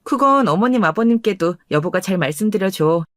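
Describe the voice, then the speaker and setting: A woman voicing a calm, confident and teasing wealthy wife in a dramatized radio story. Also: mid-range voice, fairly quick, no echo, studio quality, natural voice. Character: rich, self-assured young wife.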